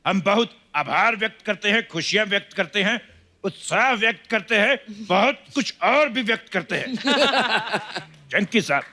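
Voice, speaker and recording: Guy playing a boastful swaggering baba, rhyming patter, super bright and lively. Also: high voice, a little slow, exaggerated voice. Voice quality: rhyming, mock-formal patter. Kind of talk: comedy sketch.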